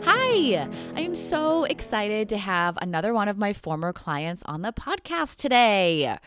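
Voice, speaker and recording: A woman hosting a podcast, reading a scripted intro and then chatting with a guest, upbeat and quick to laugh. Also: mid-range voice, sing-song, music in the background. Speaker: podcast host.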